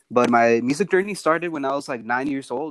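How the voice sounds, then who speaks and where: A speaker with a Spanish accent is heard in a dry, close sound with no echo on a very clean recording with a silent background. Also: man. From Tecate, Mexico. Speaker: beatmaker. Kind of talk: casual interview chat.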